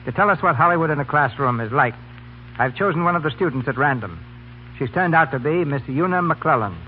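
A man's voice: fairly high pitch, animated, a little fast, narrow, tinny audio, slight background noise. A man hosting a 1930s radio broadcast in a formal, polished, scripted style. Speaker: host.

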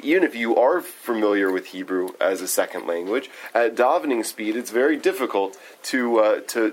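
A man's voice: mid-range voice, slight background noise, poor audio. A man leading a text study, giving an informal, thoughtful lecture and often checking in with his listeners.

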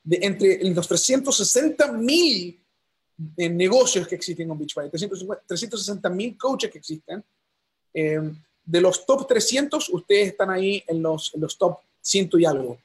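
A man's voice: high voice, expressive, normal speed, breathy edge. A man interviewing a coach, encouraging and using many fillers. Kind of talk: interview questions.

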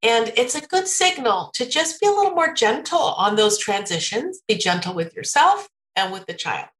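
Woman with a bright, higher voice coaching parents, chatty, laughs a lot. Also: moderate pace, poor audio. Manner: warm, animated, laughs often, sing-song when acting out parents. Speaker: parenting expert guest. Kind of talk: casual conversational advice.

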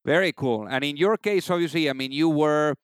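A man's voice: a little high, brisk, clear, resonant tone, no room sound. A man hosting an interview podcast, eager and peppered with "you know" fillers. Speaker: podcast host.

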